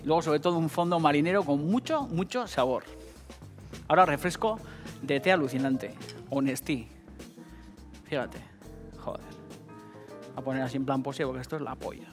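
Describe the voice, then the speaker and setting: A high-voiced, middle-aged man with a Basque Spanish accent, demonstrating a recipe on a TV kitchen set. He talks straight to the viewers, full of jokes and swearing. Faint music plays behind him. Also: moderate pace, pauses often. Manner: profane, jokey, addresses viewers directly. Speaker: TV cooking show host. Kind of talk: casual cooking demonstration.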